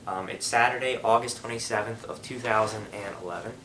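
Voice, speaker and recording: A man's voice: on the low side, fairly even intonation, brisk, sharp tone, slight background noise. A young man with a stuffy nose from a cold, hosting a casual gaming vlog update with lots of fillers and restarts. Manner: rambling, frequent fillers and restarts. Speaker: gaming channel host. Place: room at his family home. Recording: echoey room, mic at a distance.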